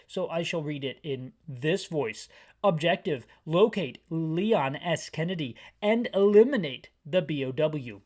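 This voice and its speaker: A gaming channel host with a voice on the high side narrates a video game for listeners who can't see it. He describes every screen and drifts into wry, self-deprecating tangents, keeping the commentary relaxed and chatty.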